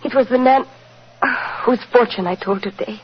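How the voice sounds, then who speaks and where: An actress playing a dying gypsy fortune-teller in 1940s radio drama, solemn and tender in halting short phrases, on a dull, noisy old recording. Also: female voice, a little high, natural voice. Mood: weak, tender.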